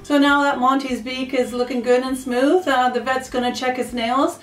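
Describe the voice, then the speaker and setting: A woman's voice: high voice, steady tone, normal speed, roomy sound, far from the mic. A middle-aged woman, a pet vlogger explaining things in a casual, chatty way.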